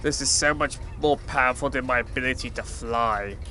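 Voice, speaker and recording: An actor playing a blunt, sarcastic and exasperated flying hero in an audio drama. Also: male voice, medium pitch, normal speed, sharp tone, faint music behind, natural voice. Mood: weary, grumbling. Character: exasperated sweary flying hero, stranger from Earth. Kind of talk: scripted audio drama acting.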